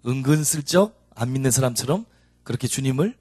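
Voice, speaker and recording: A man's voice: medium pitch, animated, a little fast, a little mellow, dry recording. A male pastor preaching an expository sermon, building up emphasis through repeated rhetorical questions. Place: church.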